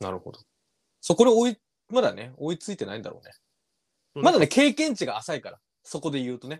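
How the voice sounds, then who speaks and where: The speech runs at a fairly quick pace, broken by long, frequent pauses. Pitch swings very widely, and loudness shifts in big swings. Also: man, high pitch for a man. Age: 30s. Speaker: podcast co-host, office worker. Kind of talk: casual chat.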